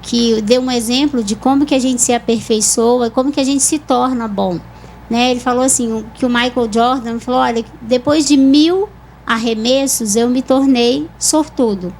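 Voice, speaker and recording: Explanatory Brazilian woman, fairly high voice. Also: moderate pace, slight background noise, rough recording. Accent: Brazilian Portuguese. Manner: calm, didactic explanations with examples. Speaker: speech therapist guest. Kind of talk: explanatory TV interview.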